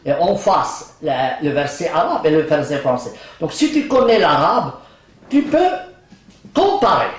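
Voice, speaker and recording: An older man whose first language is Arabic, speaking in a casual interview as a translator, animated and joking with vivid comparisons. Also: on the high side, a little slow. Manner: animated, laughs often, jokes with vivid comparisons. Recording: roomy sound from some distance.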